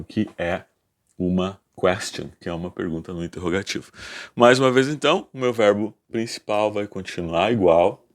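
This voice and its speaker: A man with a Brazilian Portuguese accent teaching an online English grammar lesson, patiently explaining and slowly repeating example sentences, often checking in with "ok?". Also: sits low.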